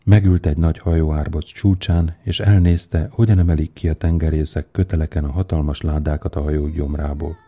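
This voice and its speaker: A man narrating a fairy tale in a calm, measured storytelling way. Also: a bass voice.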